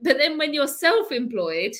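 Woman, podcast co-host, chatty, thinking aloud, bright tone, fairly high. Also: big pitch swings, measured pace. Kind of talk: casual podcast chat.

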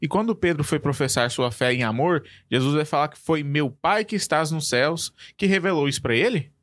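Man, slightly high voice, reading chat comments, dry close sound. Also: fairly quick, fairly bright tone, no room sound. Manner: reads listener messages aloud. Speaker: podcast co-host reading chat. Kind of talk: casual chat.

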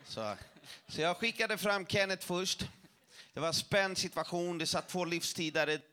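Bright-voiced man telling a testimony. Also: sits high, clear, resonant tone. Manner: lively storytelling with self-mocking jokes. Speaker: preacher giving testimony. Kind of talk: humorous testimony to a church audience.

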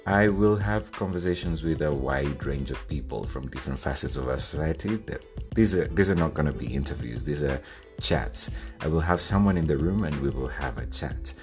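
Podcast host, man from Kenya, young adult, extremely deep voice, earnest scripted read over a music bed. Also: lively intonation, normal speed, darkish tone.

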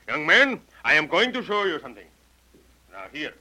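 A man's voice: on the high side, very animated, normal speed, sharp tone, full character voice, poor audio. An actor playing a stern elderly male piano maestro who lectures a young composer, in 1930s radio acting style.

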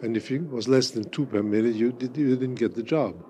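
A man of eighty whose first language is German, answering interview questions in a measured, wry way with frequent fillers and restarts. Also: medium pitch, dark tone, slight background noise. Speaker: interviewee, cabaret artist.

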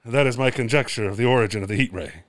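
A man playing a learned, cautious scientist, explaining deliberately and pedantically in a radio drama. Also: mid-range voice, no room sound, close to an everyday voice. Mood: cautious, scholarly.

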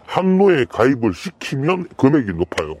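An anonymous male informant whose voice is disguised by deep modulation, giving halting recorded testimony with repeated words. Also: sing-song, a little mellow, husky, no room sound. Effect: voice disguised by modulation, pitched deep. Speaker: anonymous informant, former employee.

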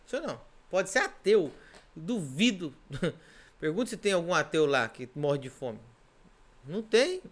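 Brazilian pastor guy preaching on a podcast, high voice, bright and forceful, hammers his points over and over. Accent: Brazilian Portuguese. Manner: emphatic, repetitive, rhetorical questions.

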